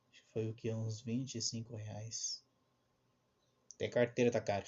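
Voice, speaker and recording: A soft-spoken, somewhat breathy man talks at medium pitch and a moderate pace. His intonation is monotone and flat, yet his loudness swings widely. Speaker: vtuber. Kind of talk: personal vent monologue.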